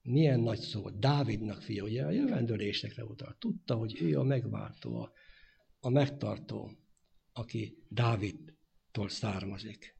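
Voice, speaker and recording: Male preacher giving a sermon, dark husky tone, swings between loud and quiet. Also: on the low side, animated. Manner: dynamic preaching, rising loud then dropping to hushed.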